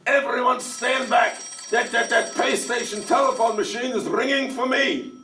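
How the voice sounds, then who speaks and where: A man's voice: very high-pitched, fairly even intonation, normal speed, over music. An actor playing a talkative, joking older Jewish immigrant dairyman in a one-man stage monologue, often stammering and asking back. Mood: chatty. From Russia. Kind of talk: theatrical monologue. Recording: stage voice heard from far off.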